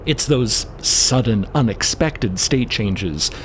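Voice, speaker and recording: Man acting low-voiced, pedantic scientist, lively intonation. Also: slow pace, slight background noise. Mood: relishing, assured. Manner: precise, academic, explanatory. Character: pedantic male scientist who relishes lecturing, Merlin. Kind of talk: narrative audio drama.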